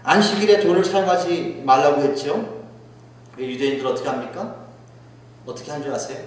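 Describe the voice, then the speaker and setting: A man's voice: fairly high pitch, expressive, a little fast, very echoey, recorded from a distance. A man preaching a sermon as pastor, dramatic, acting out quoted speech in a raised voice. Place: church sanctuary.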